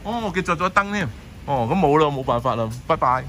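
A brisk man with a Hong Kong Cantonese accent and a voice on the high side live-streams a walk through rainy streets at night. He talks casually to his viewers and to passers-by, filming on a handheld phone while rain and traffic carry on behind him.

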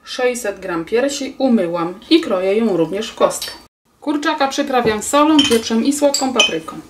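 Woman, 40s, cooking host; calm step-by-step explainer, recorded at a distance in an echoey home kitchen. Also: on the high side, moderate pace, slight background noise. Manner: calm step-by-step explaining, addresses viewers politely. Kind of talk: recipe instructions. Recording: roomy kitchen echo, voice a bit distant.

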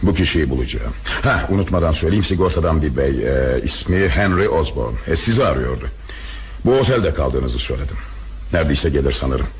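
A man acting a calm, dutiful police commissioner in a crime radio drama, with a measured noir detective manner. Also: a bass voice. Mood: calm, businesslike. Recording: faintly noisy radio drama recording.

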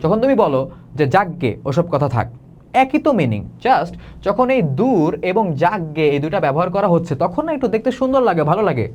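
A man's voice: high voice, big pitch swings, normal speed, darkish tone, highs cut off, slight background noise. Man teaching a casual exam-prep class. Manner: casual colloquial explaining, acts out example phrases.

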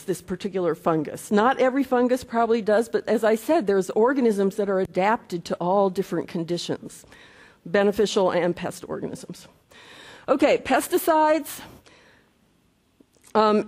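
A woman's voice: fairly high pitch, a little mellow. A woman giving a conversational conference lecture, with many restarts and asides. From United States. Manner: conversational, frequent okay and restarts. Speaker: conference speaker, entomologist. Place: conference hall. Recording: reverberant hall.

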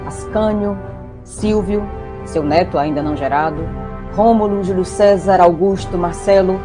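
A woman's voice: fairly low pitch, measured pace. Woman narrator over prominent guitar music. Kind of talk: scripted storytelling narration. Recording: loud background guitar music.

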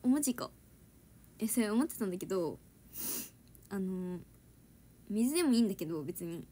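A woman's voice: medium pitch, expressive, normal speed, warm tone. A young woman chatting casually on a livestream, giggling and answering viewers' comments. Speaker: idol trainee livestreaming to fans.

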